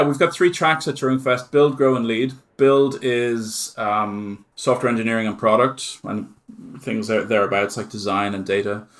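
A middle-aged Irishman speaks as a guest in a casual interview. His voice sits at a medium pitch and his delivery is chatty and informal, like someone explaining his own work to a colleague. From Ireland. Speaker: conference organiser, interview guest.

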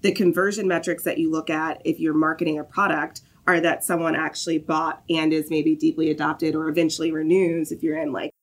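Low-voiced woman explaining marketing. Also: level tone, a little fast, hardly any pauses. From Southern US. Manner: fluent, explanatory, frequent "like" and "right?". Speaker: guest, marketing lead. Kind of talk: podcast interview.

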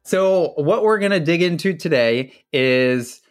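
A man's voice: fairly high pitch, lively intonation, unhurried, soft background music. A man hosting a podcast, upbeat, steering the interview with questions. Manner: upbeat, guiding the talk with questions. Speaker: podcast host.

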